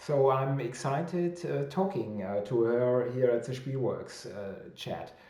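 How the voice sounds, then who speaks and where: A man with a strong German accent speaks at a fairly slow pace, medium in pitch, with lively intonation. Noticeable background noise and audible room echo fill the recording. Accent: thick German. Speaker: board game publisher hosting weekly live chat. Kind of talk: live stream chat reading viewer comments. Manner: hesitant, many fillers and repetitions.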